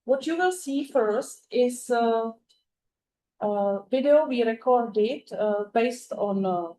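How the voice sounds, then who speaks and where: A woman with a Czech accent, a native Czech speaker, giving an academic conference talk in English, with many "uh" pauses and careful phrasing. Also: a little high, lively intonation, warm tone, rough recording. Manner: frequent "uh" fillers, careful non-native phrasing. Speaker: conference presenter.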